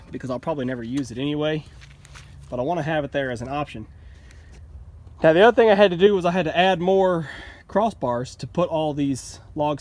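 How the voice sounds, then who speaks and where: A man, a bit out of breath, casually showing the upgrades on his sawmill in a plainspoken, folksy way. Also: fairly high pitch. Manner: plainspoken, folksy, explains as he goes. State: a little out of breath. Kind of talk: casual how-to vlog. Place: outdoors at a sawmill.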